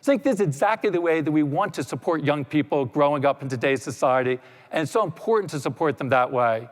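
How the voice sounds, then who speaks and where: A man giving a conference talk, explaining in a relaxed way with many "you know" asides. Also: a little high, quick pace. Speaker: panel speaker. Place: lecture hall. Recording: echoey hall reverb.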